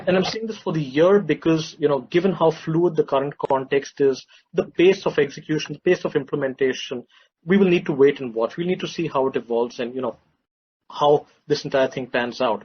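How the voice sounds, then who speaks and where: A man's voice: medium pitch, slightly rough, highs cut off. A man with an Indian accent presenting as an executive on an earnings call, emphatically restating his points. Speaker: retail executive. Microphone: conference call line.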